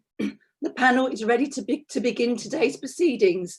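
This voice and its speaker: A woman puts on a character voice, croaky and hoarse, pitched high and delivered at a moderate pace. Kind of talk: formal, official announcement.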